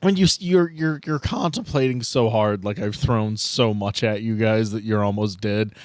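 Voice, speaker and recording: A man speaking casually as game master, narrating and bantering in a halting, sardonic, sweary way. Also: on the low side, dry recording.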